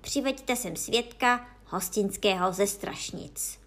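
Hřímavý tlustý soudce, jak ho předčítá žena. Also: female voice, mid-range voice, a bit bright, lightly acted. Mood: hřímavý, rozhněvaný. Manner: hřímá, křičí na obžalovaného. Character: tlustý přísný soudce, hřmotný muž.

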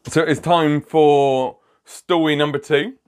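A man's voice: fairly high pitch, steady tone, takes it slowly, faint music behind. A man hosting his own podcast as a magician, casually telling a funny story, laughing often and wandering off topic. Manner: chatty, laughs often, digresses.

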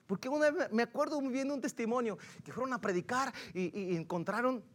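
A man preaching a sermon as pastor, animated and laughing between points, often checking in with the congregation. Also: extremely high pitch, fairly quick. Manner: animated, tags phrases with questions to the congregation.

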